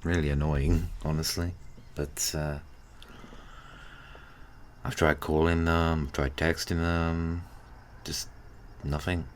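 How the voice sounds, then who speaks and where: Man acting a very deep-voiced, laid-back friend. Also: level tone, a little hiss or hum. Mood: awkward, let down. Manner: hesitant, halting, colloquial, with sighs and soft chuckles. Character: laid-back, teasing giant micro friend, male, kind, stood up by his date. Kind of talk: ASMR roleplay audio, casual chat to the listener.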